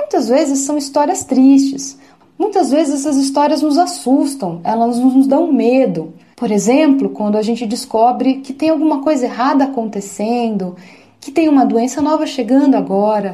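Noticeable background noise and audible room echo fill the recording. A woman speaks with lively intonation at a high pitch. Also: moderate pace. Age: 30s. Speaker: journalism professor. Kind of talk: explaining to children.

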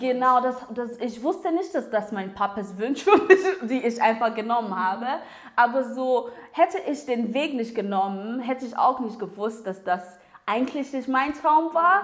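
A woman speaks with a non-native accent at a high pitch. Her intonation is lively. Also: fairly slow pace. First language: not German (speaking German). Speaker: computer science student. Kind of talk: interview.

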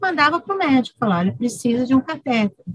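This woman's voice is high. Her pitch swings very widely. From Brazil, São Paulo. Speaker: physician and healthcare manager. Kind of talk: interview.

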